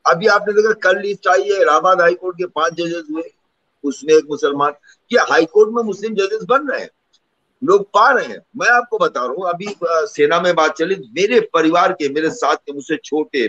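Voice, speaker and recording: Fast-talking middle-aged man on a panel. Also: fairly high pitch, bright, forceful tone. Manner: quick, piling up lists of examples. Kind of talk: panel debate argument. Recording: muffled lo-fi audio.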